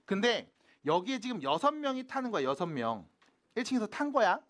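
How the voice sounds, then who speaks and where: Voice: mid-range voice, big pitch swings, fairly bright tone. A math teacher giving a classroom lecture, switching between casual and polite speech and constantly asking the students whether they follow. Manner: checks in constantly with quick casual questions.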